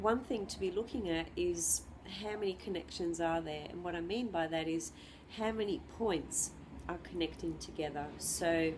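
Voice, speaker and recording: A woman astrologer with the flu giving an unscripted lesson, clearing her throat and pausing often with ums and restarts. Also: lowish voice, darkish tone, slight background noise, poor audio. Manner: hesitant, many ums and restarts.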